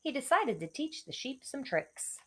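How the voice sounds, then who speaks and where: A woman reading a story aloud to young children like a teacher, in an expressive storytelling manner. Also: high voice, moderate pace. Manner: expressive, clearly addressing children. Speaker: elementary school teacher reading to pupils.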